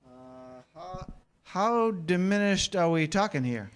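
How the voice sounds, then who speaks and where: A man plays a greedy, jittery male schemer posing as a doctor in a staged comedy. His voice sits high for a man. He is hesitant and excitable, quick to trip over his words. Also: smooth. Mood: deflated, anxious. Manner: hesitant and stammering, erupting when agitated.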